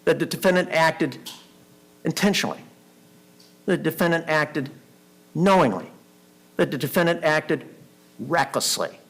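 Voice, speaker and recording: A man's voice: fairly high pitch, a little slow, long pauses, a bit bright. A man speaking as a prosecutor to a jury, making an opening statement in emphatic, repeated phrases. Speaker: prosecuting attorney.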